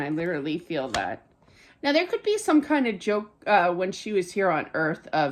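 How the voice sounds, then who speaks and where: A woman's voice in an American accent. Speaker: psychic medium. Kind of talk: psychic reading. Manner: halting, many fillers.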